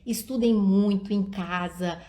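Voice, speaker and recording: A middle-aged woman giving a live-stream talk outdoors at night, with a voice of ordinary medium pitch. She speaks to her viewers in an easy, conversational way, dropping into little acted lines of parents and children as she goes. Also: unhurried, dark tone. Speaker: early childhood education speaker.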